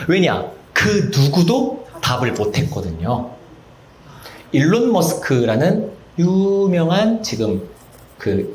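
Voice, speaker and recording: Animated man teaching a church class. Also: on the high side. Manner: animated, acts out dialogues. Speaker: church lecturer. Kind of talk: Bible study lecture. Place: church hall. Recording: echoey hall.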